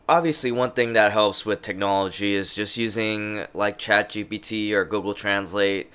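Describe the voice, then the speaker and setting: A man vlogging casual advice in a slow, halting way, with many fillers and restarts. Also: lowish voice, a bit bright, clean tone. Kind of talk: casual talking-head advice. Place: lives in Japan. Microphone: interview microphone.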